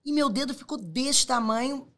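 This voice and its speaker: Animated Brazilian woman telling a story. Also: sits high, normal speed. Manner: animated, repeats words, acts out quoted dialogue. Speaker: endurance athlete. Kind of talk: casual anecdote telling.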